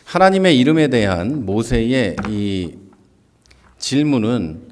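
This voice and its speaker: A man's voice: mid-range voice, big pitch swings, slow pace, slight background noise. Guy teaching a bible class at church, mid voice, walks through it step by step, acts out the quotes. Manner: explains step by step, often starting a point with "자"; acts out quoted lines with livelier voice. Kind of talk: explanatory Bible class lecture.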